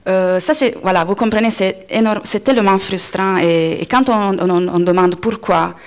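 A woman in her thirties with an Italian accent, a native Italian speaker, giving a semi-improvised conference talk with hesitant pauses and self-corrections. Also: mid-range voice. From Italy. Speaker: coordinator of a media organisation, panel speaker. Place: indoor conference panel table. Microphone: gooseneck table microphone, close.

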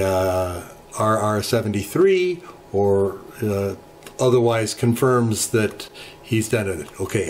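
A middle-aged man hosting a ham radio channel, walking through software settings in an unhurried tutorial with many filler pauses, recorded at a desk in his home radio room. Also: medium pitch, slight background noise. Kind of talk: screen-share software tutorial. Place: home radio shack, indoors.

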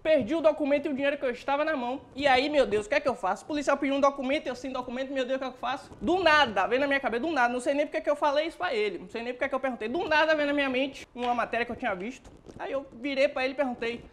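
A man's voice: very high voice, very fast, hardly any pauses, fairly bright tone. A man with a Bahian accent telling a comic story, acting out scenes animatedly with sound effects. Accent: Bahian Portuguese. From Salvador, Brazil. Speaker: stand-up comedian.

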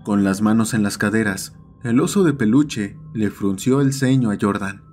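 A man's voice: lowish voice, moderate pace, darkish tone. A man narrating a scripted horror story as the host of the channel. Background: background music.

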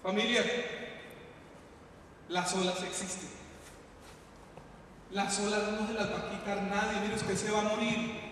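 Priest, high and impassioned, heard from afar in a church. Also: male voice, flat delivery, measured pace, pauses often, slight background noise. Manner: impassioned, shifting from shouts to hushed appeals. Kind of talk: sermon. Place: large church hall. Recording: echoey hall, distant mic.

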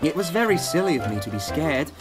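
A man's voice: a little high, fast, music in the background, voice pushed up. A man voicing an eager, anxious and polite young steam engine in a children's storybook. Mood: apologetic, polite. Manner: excitable, nervous, polite.

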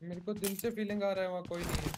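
A high-voiced man urges and reassures his teammates over a headset. Loud engine and racing sounds nearly swamp his voice, and it comes through as game voice chat. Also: fairly even intonation, fast, background noise. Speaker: squad teammate. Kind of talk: casual gaming voice chat.

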